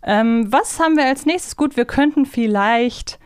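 A woman's voice: high-pitched, measured pace, smooth, no room sound, clean studio sound. A woman co-hosting a podcast in casual chat, musing aloud and asking questions in a talkative way. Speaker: podcast co-host. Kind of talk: casual chat about an audio drama series.

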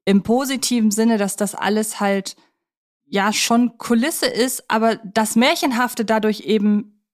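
A woman's voice: on the high side, unhurried. A young adult woman co-hosting a podcast, discussing films casually in a reflective, explanatory way. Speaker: podcast co-host.

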